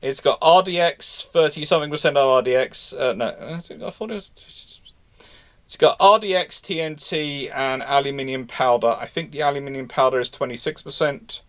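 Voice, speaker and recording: Fielding live questions off the cuff, a naval history host talks with emphasis but in fits and starts. Repetition and doubling back are how he stresses his points, and his voice sits in the middle range.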